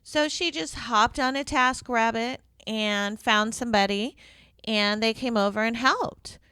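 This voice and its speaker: A woman, a professional organizer, hosting her own podcast and telling stories in a conversational, deliberate way with occasional fillers. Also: on the high side, steady tone, pushed and bright, clean tone, dry recording. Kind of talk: solo podcast storytelling.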